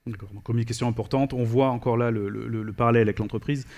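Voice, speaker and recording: A man's voice: medium pitch, fairly even intonation, very fast, darkish tone. A man acting as interviewer at an event, summing up off the cuff and putting questions to his guest. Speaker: interviewer, moderator.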